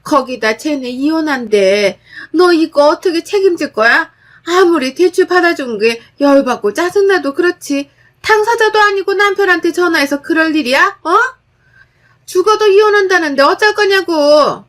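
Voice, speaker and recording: Bossy older mother-in-law performed by a woman, raised, shrill, scolding, in a spoken story. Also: expressive, normal speed, fairly bright tone.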